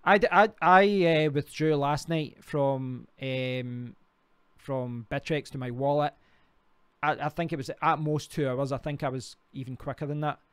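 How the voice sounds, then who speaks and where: A man's voice: on the high side, steady tone, a little slow, clear, resonant tone, no room sound. A Scottish man hosting a casual live stream, rambling and talking to himself while clicking through sites. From Scotland. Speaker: crypto livestream host.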